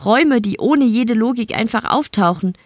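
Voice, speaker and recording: A woman's voice: fairly high pitch, expressive, moderate pace, dry recording, studio quality, voice pushed up. A woman doing a bitter, beaten young guard. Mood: urgent. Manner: reproachful, pointed.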